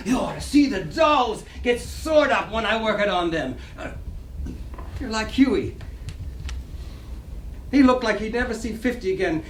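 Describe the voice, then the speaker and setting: A man's voice: sits high, expressive, measured pace, long pauses. A man acting a boastful middle-aged small-time Broadway gambler in a dramatic stage reading, slangy, chuckling and garrulous. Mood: brash, jovial. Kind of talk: dramatic stage reading of 1920s American play. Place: library reading room, live reading. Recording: roomy, distant, faintly noisy live recording.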